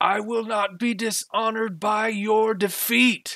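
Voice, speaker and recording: In a shrill, raised, projected put-on character voice, a man holds a high pitch with monotone, flat intonation at a fairly slow pace. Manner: echoing, booming.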